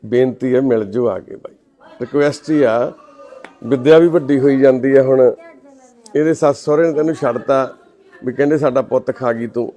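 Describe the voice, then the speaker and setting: A man with a Punjabi accent, a charity volunteer making a soft, pleading appeal to the camera. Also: medium pitch, moderate pace.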